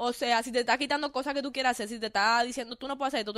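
A woman with a Dominican accent talks at a very fast pace, her fairly high pitch showing ordinary variation. The recording is very clean, the background silent. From Dominican Republic. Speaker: TikTok creator. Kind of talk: casual chat.

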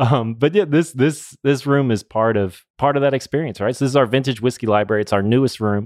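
A man with an unremarkable speaking voice and a medium pitch talks at a fairly quick pace. He shows ordinary pitch variation and hardly any pauses. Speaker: hospitality and product development executive. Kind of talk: casual interview.

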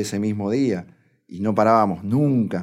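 A man talks at a moderate pace with ordinary pitch variation. He has an ordinary speaking voice. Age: 60s. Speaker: recent retiree. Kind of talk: interview testimony.

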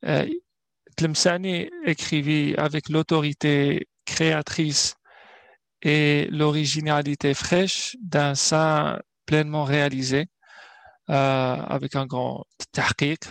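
Very slow and marked by long, frequent pauses, the speech carries a non-native accent and fairly even intonation, with a dry, close sound with no echo and a very clean recording with a silent background. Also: man, fairly high pitch for a man. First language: not French (speaking French). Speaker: professor of Islamic studies. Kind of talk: lecture. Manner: halting.

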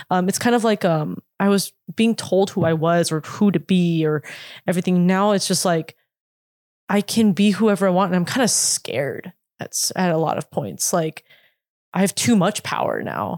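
On a very clean recording with a silent background, a woman speaks with a Californian accent. Her medium pitch varies in an ordinary way at a moderate pace. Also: dry, close sound with no echo. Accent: Californian American. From Los Angeles, San Fernando Valley. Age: 20s. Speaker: K-pop singer. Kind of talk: casual interview.

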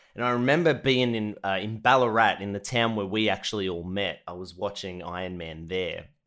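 With an Australian accent, a man speaks fairly quickly and with hardly any pauses, his fairly low voice showing ordinary pitch variation on a very clean recording with a silent background. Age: 30s. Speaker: comedian. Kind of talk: casual interview.

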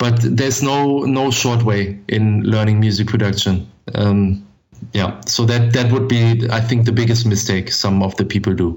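A man's medium-pitched voice with a German accent, moderate in pace, very even in loudness, with fairly even intonation. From Germany. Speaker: DJ and music producer. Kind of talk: casual interview chat.

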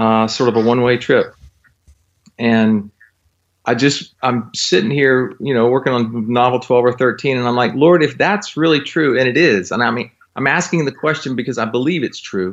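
Against a quiet background, a man with a plain, everyday voice talks at a moderate pace with ordinary pitch variation. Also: medium pitch for a man. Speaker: novelist and author. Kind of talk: radio interview. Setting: remote from his office.

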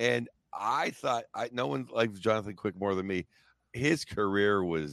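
A man with an American accent has a plain, everyday voice, fairly low in pitch, with lively intonation. He speaks at a fairly slow pace in a dry, close sound with no echo. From Pittsburgh, Pennsylvania. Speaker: comedian. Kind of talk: casual chat.

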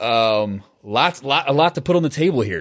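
This is a normal speaking voice, moving at a medium speed and rising and falling with lively intonation. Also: man. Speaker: podcast host. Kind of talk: casual interview.

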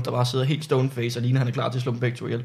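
A somewhat breathy man talks at a very fast pace, with audible room echo. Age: 20s. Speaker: stand-up comedian. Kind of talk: casual chat.

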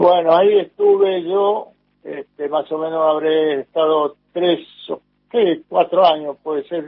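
Fairly high in pitch, a man speaks at a very slow pace with fairly even intonation. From Argentina, Buenos Aires. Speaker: former footballer and youth coach. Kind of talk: radio interview.

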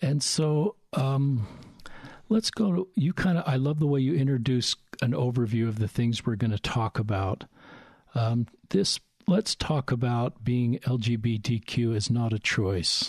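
Against a quiet background, a man speaks slowly-ish at a medium pitch with lively intonation and a somewhat breathy sound. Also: very even loudness, dry, close sound with no echo. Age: 50s. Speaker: podcast host. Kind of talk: interview. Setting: in a home, across a table.

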